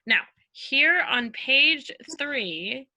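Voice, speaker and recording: Comedy role for a woman: reassuring college pal, breezy, high-pitched, piercingly bright. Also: animated, very slow, heavily acted, low-quality recording. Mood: breezy encouragement. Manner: breezy, encouraging. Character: chipper, reassuring young college woman friend. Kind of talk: staged reading of comedy sketch.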